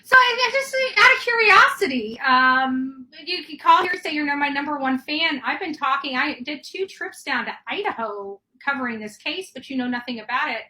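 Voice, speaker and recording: A woman with a high voice hosts a live true crime call-in show. She has a bright, forceful tone and rambles, restarting her sentences often. She sounds like someone who talks with callers on air. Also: lively intonation, moderate pace, few pauses, a little hiss or hum, rough recording.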